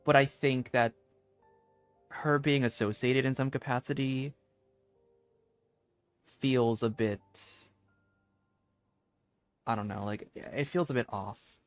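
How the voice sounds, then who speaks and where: A man's voice: mid-range voice, fairly even intonation, slow pace, long pauses. Man casually streaming a game. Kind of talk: casual livestream gameplay commentary. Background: game music.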